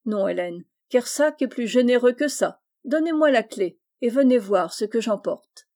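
A woman's voice: a little high, expressive, moderate pace, a little mellow. A woman reading the part of a hearty, generous older male farmer in a storybook, jovial and exclaiming.

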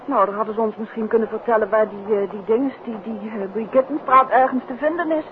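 An actress in a 1950s radio drama playing a detective's wife, an expressive and direct lady. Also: a little high, brisk, phone-quality sound, lightly acted. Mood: weary, complaining. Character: detective's wife, plaintive yet inquisitive lady. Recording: noisy, thin old radio recording.

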